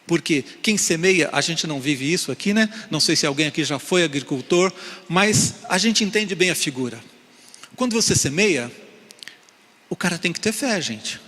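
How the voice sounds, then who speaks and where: A man's voice: a little high, expressive, moderate pace, sharp tone, big-room sound. A man preaching a sermon to his congregation as pastor, asking rhetorical questions and often calling for an "amém". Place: church sanctuary.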